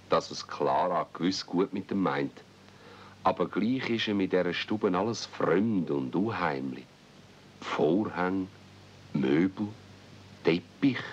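A man with a Swiss German accent narrating a children's radio play as a storyteller. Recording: muffled, noisy old cassette with rumble.

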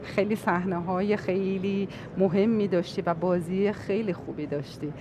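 A woman's voice: medium pitch, fairly even intonation. Articulate woman interviewer, noisy background. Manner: articulate, long winding questions, warm affirmations. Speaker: interviewer host. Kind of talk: TV interview questions.

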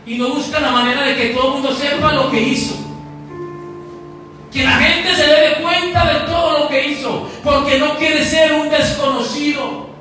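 A man's voice: extremely high pitch, steady tone, moderate pace, pushed and bright. A young man preaching a sermon as pastor, building to emphatic, half-sung lines. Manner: preaching with swelling emphasis, sometimes half-singing. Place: church hall with flags and balloons. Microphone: far camera at the back of the room. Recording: echoey hall heard from far off, piano behind.

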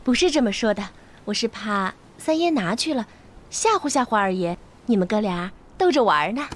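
An actress playing a worried young maidservant in a period TV drama, coaxing and pleading. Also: female voice, medium pitch, animated, moderate pace, lightly acted. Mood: anxious coaxing.

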